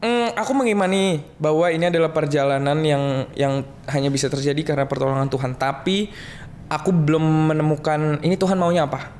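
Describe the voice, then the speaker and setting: A young man talking reflectively in a relaxed podcast chat, mixing in jokes. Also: fairly high pitch, a little fast, a little hiss or hum. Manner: reflective, joking, many restarts and slang. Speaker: guest musician.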